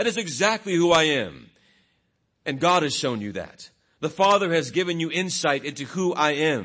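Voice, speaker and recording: This man has a plain, everyday voice with fairly high pitch, ordinary pitch variation and a moderate pace. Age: 40s. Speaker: preacher. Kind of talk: sermon. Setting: church.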